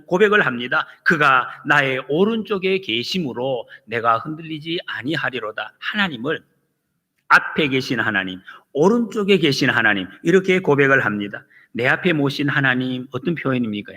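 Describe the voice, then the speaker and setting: Lively, bright-voiced male pastor preaching. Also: mid-range voice. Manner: emphatic, rises and drops sharply, acts out quotes. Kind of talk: sermon. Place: church sanctuary. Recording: long church reverb.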